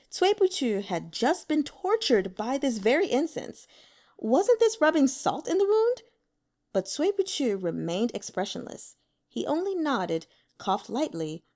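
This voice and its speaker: A woman narrating an audiobook in a calm, even reading voice. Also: medium pitch. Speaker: audiobook reader.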